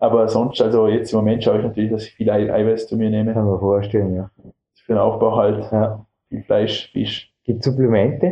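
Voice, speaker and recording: This man talks at a fairly quick pace with a medium pitch. His intonation is fairly even and his voice somewhat breathy. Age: 20s. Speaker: judo athlete. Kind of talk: interview.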